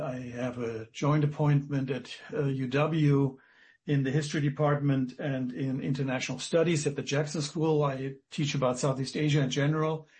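Man, 60s, from Germany, professor, measured speech, many fillers. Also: medium pitch, a little mellow. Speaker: history professor guest. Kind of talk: radio interview.

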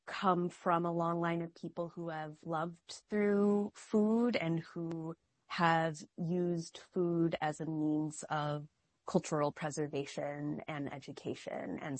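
A young adult woman from Minnesota, answering interview questions in a slow, reflective, earnest way. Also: deep voice, steady tone, no room sound. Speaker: guest, artist.

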